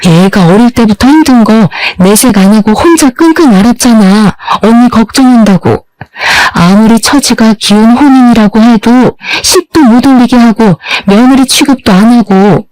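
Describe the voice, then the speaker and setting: A woman's voice: a little high, moderate pace, a little mellow, no echo, lightly acted. A woman voicing a worried older mother in a narrated story, fretful and tenderly scolding.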